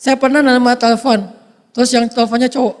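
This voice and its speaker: A man giving a humorous sermon, acting out little scenes with a soft voice that people often take for a woman's. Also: very high-pitched, level tone, fast, in a large hall. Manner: playful, acts out little scenes. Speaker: preacher.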